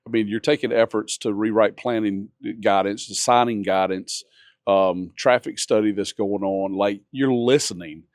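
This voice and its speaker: A man's voice: lowish voice, normal speed, dry recording, studio quality. A man who owns a local business, chatting casually with a big voice and frequent restarts. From North Augusta, South Carolina. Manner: loud, hesitant with restarts, enthusiastic. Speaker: local business owner guest. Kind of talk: casual interview chat.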